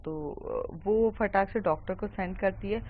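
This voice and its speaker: A woman's voice: mid-range voice, measured pace, a little hiss or hum. Casual woman storyteller, lo-fi. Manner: casual, with many hesitations.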